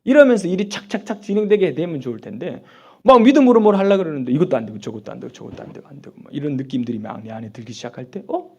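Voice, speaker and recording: A man preaching a Sunday sermon as pastor, acting out dialogues with God and swinging from hushed asides to shouts. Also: a little high, husky. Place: church.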